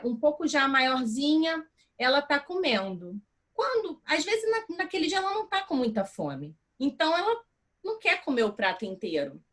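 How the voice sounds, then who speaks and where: A woman's voice: a little high, fairly bright tone. A woman with a Brazilian accent giving a guest class, explaining in a conversational way and often asking rhetorical questions. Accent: Brazilian Portuguese. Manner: frequent tag "né". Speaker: guest lecturer. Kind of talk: online class talk.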